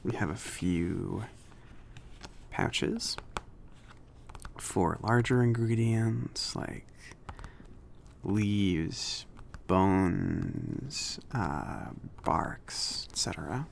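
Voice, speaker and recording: A man playing a friendly, awkward mage shopkeeper in an ASMR roleplay, speaking softly and haltingly, often near a whisper. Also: low voice, gravelly, a little hiss or hum, full character voice. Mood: helpful, relaxed. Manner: hesitant, halting, casual.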